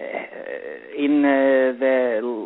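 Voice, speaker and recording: This is a man talking. He has a Swedish accent. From Sweden. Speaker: radio DJ. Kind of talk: interview. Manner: halting.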